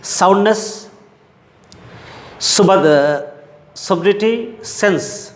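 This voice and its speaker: A man's voice: high voice, slow pace. A male English teacher from Bangladesh reading out lists of synonyms word by word and explaining them to his students. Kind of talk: slow vocabulary lesson, reading word lists. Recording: echoey room with long reverb.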